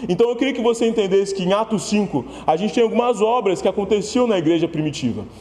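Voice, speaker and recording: Animated and very fast, the speech has hardly any pauses and ordinary pitch variation amid noticeable background noise. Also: man, high pitch for a man. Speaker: church elder and youth leader preaching. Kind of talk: sermon. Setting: church with congregation.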